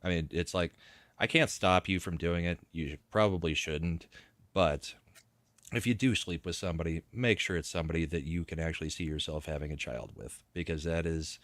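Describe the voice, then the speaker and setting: A man in his forties with a very low voice talks on a panel in a relaxed way. He chuckles lightly as he tells stories. The recording is dry and close. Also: brisk, no echo. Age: 40s. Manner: easygoing, chuckles while telling stories. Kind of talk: casual panel chat.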